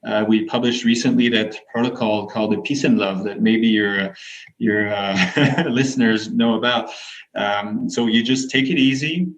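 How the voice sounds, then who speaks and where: A man's voice: lowish voice, normal speed. A man, a physiotherapist and researcher, explaining his ideas fluently and evenly as a guest in a podcast interview. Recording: dull lo-fi audio.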